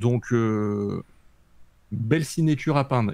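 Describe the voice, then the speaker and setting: A man speaks with ordinary pitch variation. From southeastern France, Nice. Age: 30s. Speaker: wargaming streamer. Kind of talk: interview. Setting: video call. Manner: hesitant, many fillers.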